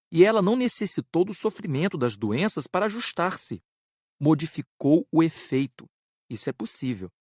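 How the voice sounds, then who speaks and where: Casting: male actor as earnest Brazilian spirit doctor, audiobook lecturer, mid pitch, careful diction, dry close sound. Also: dry recording. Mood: reflective, earnest. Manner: measured, didactic, careful enunciation. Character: Frederico, earnest spirit doctor teaching karma.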